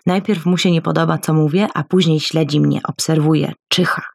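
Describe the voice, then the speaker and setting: A woman narrating a first-person novel in a very low, gravelly voice. Her reading is quiet, measured and inward. The sound is dry and close. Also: steady tone, no room sound. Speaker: audiobook narrator.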